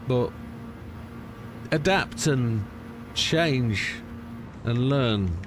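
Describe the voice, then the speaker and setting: Lively intonation marks this man's medium-pitched voice, heard with audible room echo. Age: 60s. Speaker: sim racing streamer. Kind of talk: live gaming commentary. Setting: livestream.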